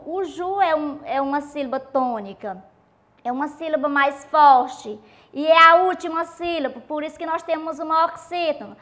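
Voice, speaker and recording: Brazilian teacher lady, high bright voice, slow patient explaining, stretches out syllables. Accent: Brazilian Portuguese. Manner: slow, stressed syllable-by-syllable pronunciation of example words; patient, repetitive explaining to students. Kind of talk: recorded video lesson.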